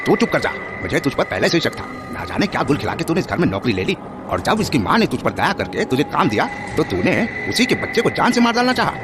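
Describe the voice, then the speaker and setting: Self-righteous village man, high-pitched, swooping. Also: big pitch swings, fast talker, over music. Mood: angry accusing. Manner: scolding, harsh, accusatory. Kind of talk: Hindi horror audio drama acting. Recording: noisy crowd and street ambience behind.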